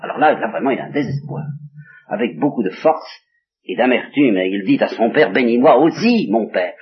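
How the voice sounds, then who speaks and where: A man's voice: lowish voice, brisk, slightly rough. A man reading a Bible story aloud and stopping to explain it to his listeners, on an old 1960s tape. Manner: reads quoted speech with small voice changes, breaks off to explain. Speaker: Bible teacher. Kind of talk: reading and commenting scripture to listeners. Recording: dull lo-fi 1960s tape recording.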